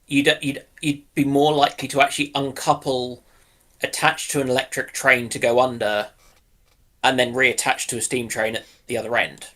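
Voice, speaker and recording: Bloke chatting on a panel, bright voice, bit hesitant, thinking out loud. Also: male voice, medium pitch, little pitch movement, moderate pace. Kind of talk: casual speculative discussion.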